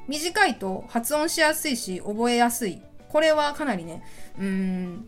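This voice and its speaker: A woman hosting a casual solo podcast, chatty and enthusiastic, often laughing as she talks. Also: medium pitch. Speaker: podcast host.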